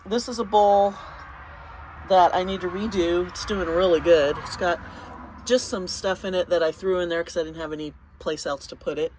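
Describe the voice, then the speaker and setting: On an early-morning walk through her home garden, a woman with a congested, sniffly voice gives casual, meandering commentary, pointing things out as a garden vlogger. She speaks at normal speed in a lowish, steady, slightly mellow voice. The recording is rough, with slight background noise.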